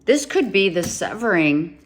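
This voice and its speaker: Laying out a tarot reading for her viewers, a low-voiced woman speaks slowly, deliberately, and with great animation. She is emphatic, repeats key points, and talks straight to the listener, though she keeps coughing as her voice wears thin and turns hoarse.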